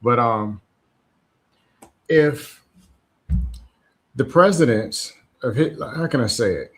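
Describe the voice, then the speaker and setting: A man joins the podcast over a video call, and his audio keeps dropping and freezing. He argues bluntly, brushing points aside in short clipped phrases. His voice sits at an ordinary middle pitch. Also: expressive, slow. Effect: video call audio that drops and freezes. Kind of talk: casual heated debate. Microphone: remote video call.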